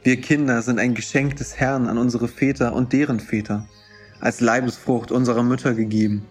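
A man's voice: medium pitch, steady tone, normal speed, husky, close to an everyday voice. A man playing a youthful preacher in a German audio drama, speaking with solemn, intense and persuasive conviction. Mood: fervent, assuring. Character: fervent youthful boy preacher, gentle and persuasive. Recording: music under the voice.

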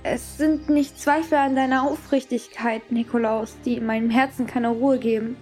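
A woman playing an awed young girl in a German audio drama, questioning in a halting, earnest way. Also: a little high, fairly even intonation, a little mellow, close to an everyday voice. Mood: awed, doubting. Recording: music under the voice.

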